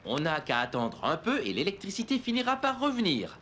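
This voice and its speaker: A man voicing a cheerful, reassuring dad in a French children's cartoon, gently and patiently explaining things. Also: sits high, huge pitch swings, brisk, slight background noise, heavily acted. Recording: music behind the voice.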